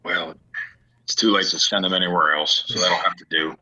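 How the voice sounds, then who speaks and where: Man playing a husky, low-voiced weary gunslinger. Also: steady tone, brisk, sharp tone, exaggerated voice. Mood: terse. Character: weary, guarded male gunslinger stranger in a western. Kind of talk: audio play acting. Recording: dull lo-fi home recording.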